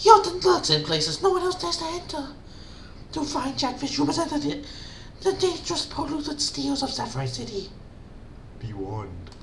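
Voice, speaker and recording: A put-on character voice moves at a fairly quick pace with long, frequent pauses. Background noise is clearly heard. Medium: read story.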